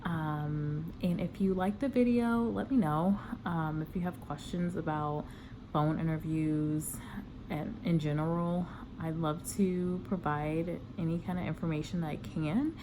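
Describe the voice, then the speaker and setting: A woman's voice: sits low, fairly even intonation, a little slow, noisy background. A woman recruiter talking casually to viewers in a conversational vlog style, offering practical career advice. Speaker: corporate recruiter giving job interview advice.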